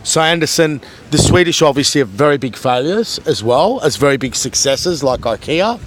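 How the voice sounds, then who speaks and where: A man's voice: on the high side, animated, moderate pace, a little hiss or hum. A man vlogging at a beach, rambling and taunting a commenter. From Australia. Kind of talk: rambling vlog monologue. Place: outdoors at a beach.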